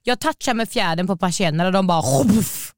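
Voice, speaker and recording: A woman's voice: mid-range voice, dry recording, studio quality. Young Swedish-speaking woman telling a wild story. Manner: animated, slangy, laughs through her story. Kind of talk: casual chat, storytelling.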